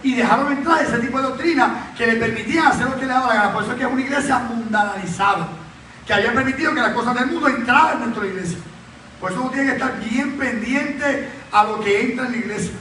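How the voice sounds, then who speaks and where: A man, a pastor leading a Bible study in an animated way, acting out the voices of people he quotes. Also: extremely high pitch, a little hiss or hum. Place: church. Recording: echoey church hall, mic at a distance.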